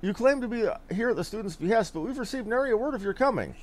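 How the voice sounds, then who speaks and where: An earnest expedition scholar from a fantasy game, acted out by a man. The voice sits high and moves around a lot, and the phrasing is courtly, wordy and archaic. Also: lively intonation, rapid-fire. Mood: polite, suspicious. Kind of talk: fantasy game dialogue read aloud.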